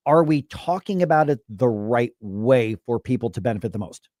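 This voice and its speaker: A man in his fifties hosting a morning radio talk show, chatting in a loose, halting way and circling back on his phrases. His voice sits at a middle pitch. He is recorded close and dry on a studio mic. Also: expressive, dark tone, dry recording. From United States. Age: 50s. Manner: chatty, halting, with restarts and laughs. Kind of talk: casual radio interview. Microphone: studio microphone.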